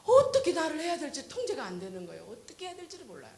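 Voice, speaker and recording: A woman's voice: high voice, wildly swooping pitch, very fast, darkish tone. Earnest woman preaching in echoey church. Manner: earnest, emotional storytelling. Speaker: evangelist. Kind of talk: testimony sermon. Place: church sanctuary. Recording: echoey church hall with faint hiss.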